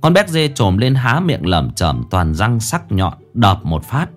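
Animated male storyteller. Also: fairly low pitch, unhurried, soft background music. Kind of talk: ghost story narration.

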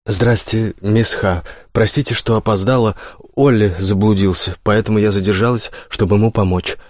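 A confident, teasing teenage schoolgirl in a storybook reading, voiced by a man. The voice stays low and close, recorded dry with no room sound. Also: steady tone, normal speed, dry recording, lightly acted.

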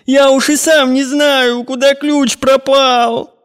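A man's voice: sits high, expressive, slow pace, dark tone, smooth, pitched above the performer's own voice, full character voice. A man reading an audiobook, voicing a frightened young servant boy who answers meekly and stammers. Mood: sobbing. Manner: meek, deferential, stammering.

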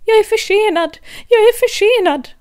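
A woman reading a storybook, voicing a flustered male white rabbit who is always late. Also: dark tone. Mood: panicked. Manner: high, hurried squeaks.

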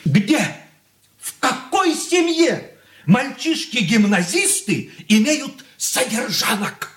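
A man's voice: extremely high pitch, slow pace, heavily acted. An actor playing a sarcastic, self-righteous young son-in-law who mocks his relatives in a radio play. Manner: mocking, sarcastic, lively. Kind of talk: 1980s studio radio play acting.

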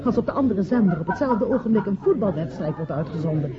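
Woman acting insistent society hostess, polished, animated, muffled recording amid party chatter. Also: medium pitch, quick pace, natural voice. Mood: indignant, pointed. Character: insistent society hostess managing her composer husband's legacy. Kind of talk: radio play acting. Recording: muffled radio play, chattering party crowd.

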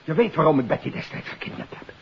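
A man's voice: fairly high pitch, lively intonation, fast. An actor playing a defensive, stubborn accused man in a 1950s radio drama, with an emphatic delivery. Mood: defensive, agitated. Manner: protesting, emphatic. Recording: muffled, faintly noisy 1950s radio recording.

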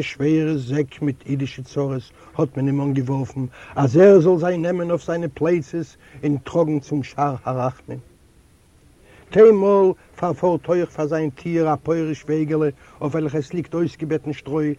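A man, a native Yiddish speaker from Eastern Europe, narrating a literary audiobook in a measured, deliberate way. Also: a little high, mellow, no echo, muffled recording. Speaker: audiobook reader.

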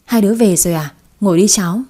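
A woman's voice: medium pitch, warm tone, slightly rough, lightly acted. A woman voicing a cheerful, oblivious older husband. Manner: cheerful, quick.

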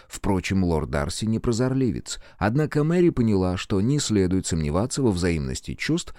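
A man narrating a novel in a measured, expressive storytelling manner. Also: on the low side, dry recording, clean studio sound. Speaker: audiobook narrator. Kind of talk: scripted narration.

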